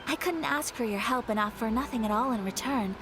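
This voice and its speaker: A woman voicing a graceful, polite young noblewoman in a video game, soft and courteous. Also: a little high, fairly quick, noisy background, lightly acted. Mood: gracious. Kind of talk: game voice acting.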